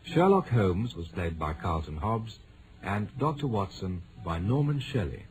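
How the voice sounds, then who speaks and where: A man's voice: sits low, sing-song, a little slow, rough recording. A man with a British accent reading credits formally as a radio continuity announcer. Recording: vintage radio broadcast with faint noise.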